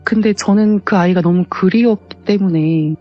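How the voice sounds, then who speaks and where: A woman caller politely recounts her own ghost story, explaining it in a conversational way over background music. Her voice is mid-range and moderately paced, and the recording has its high frequencies cut off.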